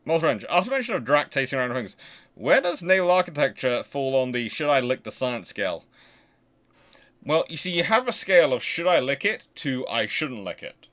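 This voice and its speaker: A man's voice: medium pitch, sing-song, moderate pace, fairly bright tone. A man hosting a casual question-and-answer session, chatty and digressive, often posing rhetorical questions as he explains. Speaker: host answering viewer questions. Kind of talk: casual live Q&A on naval history.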